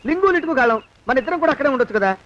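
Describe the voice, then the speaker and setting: A put-upon male servant, mutters curses under his breath and talks back to his master. His voice is very high and quick. The audio is muffled and lo-fi, with faint noise underneath. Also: lively intonation, a bit bright. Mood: grumbling. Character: grumbling, sarcastic male servant. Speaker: film actor. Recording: dull lo-fi film soundtrack with faint noise.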